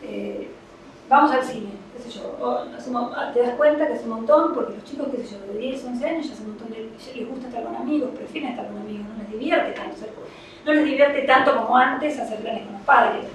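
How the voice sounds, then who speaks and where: A woman's voice: fairly high pitch, a little fast, noisy background. A woman with a Rioplatense Spanish accent, a child psychology professional, giving an informal, conversational talk to parents, explaining things with frequent fillers. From Argentina. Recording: echoey room, distant mic, faint ambience.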